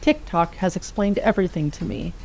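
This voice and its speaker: A woman's voice: on the low side, very animated, fairly quick, gravelly, darkish tone, a little hiss or hum, rough recording. A woman playing a vain, haughty, irritable princess, imperious and dismissive, in an audio drama. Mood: breezy, imperious.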